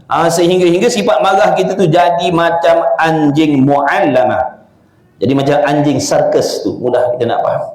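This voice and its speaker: A man from Malaysia with a Malaysian Malay accent giving a religious lecture, reading from a book and explaining it with lively swings of pitch and rhetorical questions. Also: normal speed. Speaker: religious teacher. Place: religious study house. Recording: echoey room.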